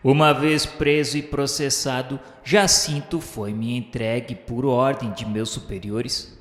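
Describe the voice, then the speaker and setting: A man's voice: medium pitch, steady tone, slow pace, close to an everyday voice. A man playing a tormented, vengeful Jesuit officer of the Inquisition, confessing in solemn, formal, theatrical radio novela narration. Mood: grim, bitter. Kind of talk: dramatized first-person radio novela narration. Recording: echoey hall reverb, music behind.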